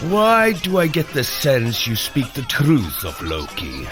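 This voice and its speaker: An actor playing a grand, declamatory warrior superhero in a comedy audio adventure. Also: male voice, mid-range voice, huge pitch swings, takes it slowly, music in the background. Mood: commanding, suspicious.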